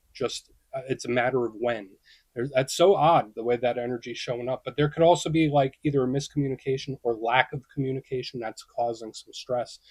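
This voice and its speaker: A man's voice: medium pitch, darkish tone, dry recording. A young man giving a casual tarot reading to camera, chatty and reassuring, thinking aloud and acting out inner questions. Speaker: tarot reader.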